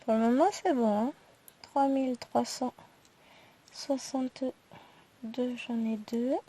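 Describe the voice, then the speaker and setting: A woman with a stuffy nose, casually counting her thread skeins aloud in slow, quiet numbers and chatting in asides. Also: fairly high pitch, fairly even intonation. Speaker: cross-stitch YouTuber.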